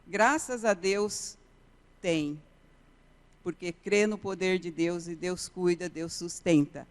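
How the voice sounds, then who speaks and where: Slow-speaking woman preaching. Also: lowish voice. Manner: earnest storytelling, repeats key phrases. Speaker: missionary preacher. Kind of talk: testimony sermon. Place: church sanctuary. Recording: reverberant church hall.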